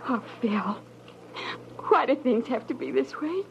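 A woman acting in an old radio drama as a gentle, fearful young woman, pleading and halting. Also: on the high side, expressive, lo-fi sound. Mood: anxious, pleading. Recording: band-limited, lightly noisy old radio recording.

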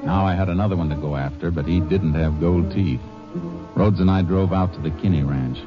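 Texas Ranger male actor: very low voice, shrewd and clipped, old radio western, muffled recording. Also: fairly quick, over music, lightly acted. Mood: measured narration. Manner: terse, matter-of-fact questioning. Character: steady, shrewd Texas Ranger investigator and narrator. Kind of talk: 1950s radio western acting.

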